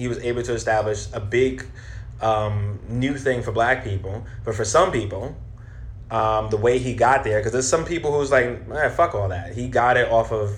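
A medium-pitched man at a moderate pace, with ordinary pitch variation. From Chicago. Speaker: podcast co-host. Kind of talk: casual chat. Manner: animated, laughs a lot.

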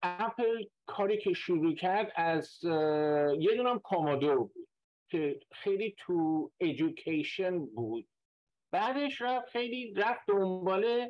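Speaking at a very slow pace, a man uses a high pitch and lively intonation. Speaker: retail investor, former computer worker. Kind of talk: casual chat about stock investing.

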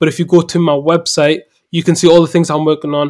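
The speaker talks very fast in an English accent with monotone, flat intonation. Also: man. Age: 20s. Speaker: engineering student and podcaster. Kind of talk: casual interview.

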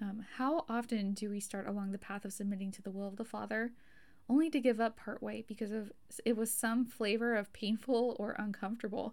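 At a fairly quick pace, the speech comes through on a very clean recording with a silent background. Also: woman, fairly high pitch for a woman. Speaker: podcast host and life coach. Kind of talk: religious teaching monologue. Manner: fast; animated.

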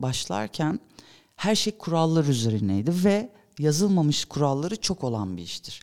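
Her pitch swings very widely as a woman talks on a very clean recording with a silent background. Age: 40s. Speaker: radio host, writer and comedian. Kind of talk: casual interview chat. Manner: animated.

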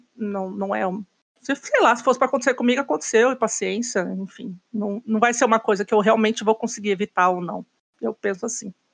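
At a moderate pace, a woman speaks with fairly high pitch and fairly even intonation in a dry, close sound with no echo. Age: 40s. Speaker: book podcast co-host. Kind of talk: casual chat. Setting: video call. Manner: halting.

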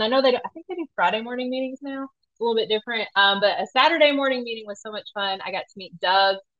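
A woman speaks with a Southern US accent at a very fast pace. Her intonation is lively. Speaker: academy coach. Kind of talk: interview, casual chat. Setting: remote call.

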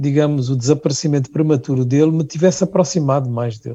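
A man's dark, mellow voice, somewhat breathy and fairly high-pitched, with ordinary pitch variation at a fairly quick pace. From Guinea-Bissau. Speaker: professor. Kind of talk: interview.

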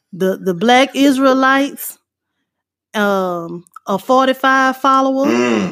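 A woman speaks with a Southern US accent in a high pitch. Her intonation is lively and her pace very slow. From Louisiana. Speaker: podcast co-host. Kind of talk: casual chat.

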